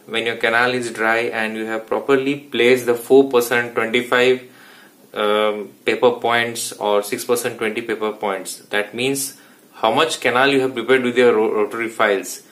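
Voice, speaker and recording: An Indian man in his thirties talks through clinical steps in a plain, mid-pitched voice. He explains as a dentist in an informal teaching vlog, often restarting his sentences. He is recorded close up in a small clinic room. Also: fairly bright tone. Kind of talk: instructional vlog.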